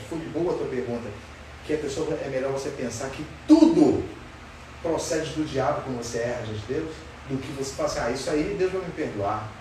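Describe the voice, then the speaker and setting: A man leads a Bible study and keeps putting questions to the class in a high, lively voice. He sounds far from the mic, in a very echoey room with faint background noise. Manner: asks the class questions, animated and emphatic. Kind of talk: Sunday school Bible lesson.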